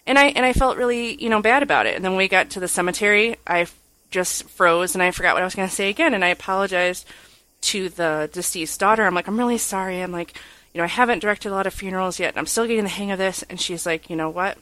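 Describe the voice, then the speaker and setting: A woman's voice: medium pitch, fast, bright, forceful tone, dry recording, low-quality recording. A woman co-hosting a podcast, telling personal stories casually in a candid, self-deprecating and sincere way. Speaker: podcast co-host.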